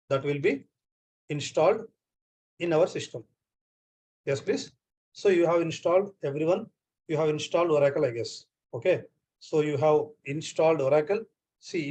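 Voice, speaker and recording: Repetitive Indian male trainer, higher voice. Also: a little mellow. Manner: repeats phrases often, checks on students. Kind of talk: online class lecture.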